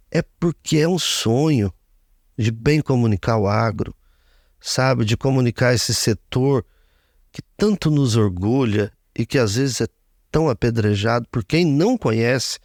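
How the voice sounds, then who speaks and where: A radio broadcaster in his fifties gives an earnest interview testimony, speaking often of his faith. His mid-range voice has a darkish tone, recorded in studio quality with no echo.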